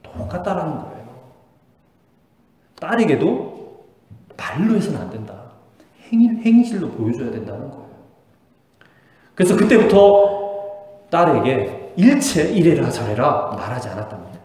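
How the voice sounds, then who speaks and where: A man preaching as a pastor in a church, earnest, with emphatic rises and soft, quiet drops. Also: a little high, big pitch swings, moderate pace, pauses often. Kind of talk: sermon. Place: church sanctuary. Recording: long hall reverb in a church.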